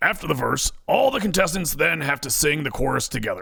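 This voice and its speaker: A raspy, put-on character voice from a man, high in pitch, at a moderate pace. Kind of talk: 1970s game show host. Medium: audio drama. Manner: schmaltzy, crooning, showbiz.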